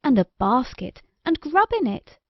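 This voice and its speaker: A woman's voice: high voice, big pitch swings, measured pace, no room sound, muffled recording, voice pushed up, exaggerated voice. A woman voicing an eager, curious small boy in a children's storybook, exclaiming as he goes. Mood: delighted.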